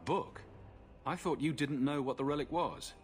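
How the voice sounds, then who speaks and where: A man's voice: fairly high pitch, moderate pace, faint music behind, close to an everyday voice. A man, an actor playing a composed, blunt adventurer in a fantasy game, asking direct, probing questions. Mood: firm, questioning. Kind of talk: game dialogue acting.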